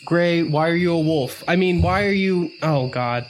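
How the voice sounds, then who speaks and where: A man playing a tabletop game, improvising his character's banter in a flustered, halting way. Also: a little high, a little hiss or hum.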